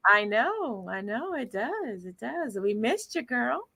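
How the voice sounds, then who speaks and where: A woman's voice: a little high, very animated, creaky. A tired woman casually co-hosting a live stream, giggling and agreeing often. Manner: slow, warm-hearted, giggly, many affirming "yeah"s. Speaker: tarot channel co-host.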